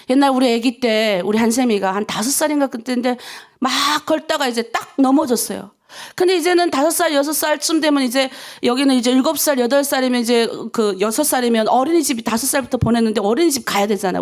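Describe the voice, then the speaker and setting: A woman's voice: sits high, creaky. A middle-aged woman pastor giving a dawn prayer sermon, telling stories with feeling and acting out prayers to God. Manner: emotional storytelling, acts out prayers to God.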